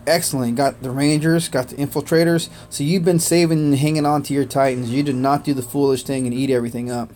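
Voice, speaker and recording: A man born in Korea whose first language was Korean, chatting casually on a game livestream, thanking viewers by name and filling pauses with "uh" and "man". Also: medium pitch, fairly even intonation, darkish tone, slight background noise. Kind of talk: casual gaming livestream chat.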